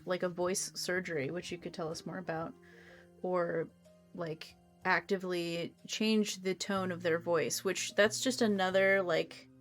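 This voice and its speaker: A woman giving casual, thoughtful explanations as a co-host, with conversational asides. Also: fairly low pitch.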